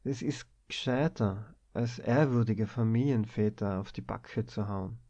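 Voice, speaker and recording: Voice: medium pitch, a little slow, dark tone. A cheeky office clerk in an audiobook, put on by a man reading, drawling and mocking, blunt in every word. the recording is dull and lo-fi.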